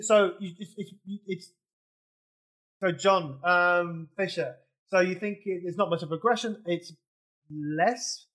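A man hosting a music podcast, steering the talk with halting questions and restarts. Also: fairly high pitch, fairly bright tone, low-quality recording. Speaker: podcast host. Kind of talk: casual chat.

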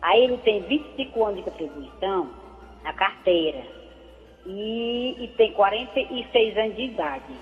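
A woman calling in over the phone to a radio show, asking a question in a hesitant, halting way. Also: medium pitch, animated, soft background music. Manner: hesitant, halting, repeats herself. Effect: heard over the phone. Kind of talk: call-in question. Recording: tinny phone line with reverb.

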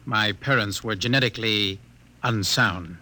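A bright, forceful voice for a wry male outcast in a mid-century radio play. He is polite and self-possessed, with bitterness under his sardonic manner. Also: fairly low pitch, a little slow. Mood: sardonic, bitter. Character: wry, bitter man held as a flawed genetic specimen. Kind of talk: 1950s radio drama acting.

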